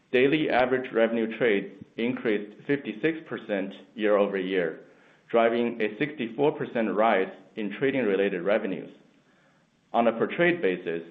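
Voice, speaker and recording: A man reading a scripted financial presentation as a company executive on an earnings call. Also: on the low side. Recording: narrow tinny phone line.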